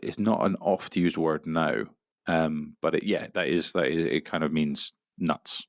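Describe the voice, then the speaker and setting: A man with a Scottish accent, a voice actor talking as a guest in a casual interview, explaining at length and often pausing to restart. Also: very deep voice, steady tone, no echo, clean studio sound. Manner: rambling, explanatory, halting with many restarts.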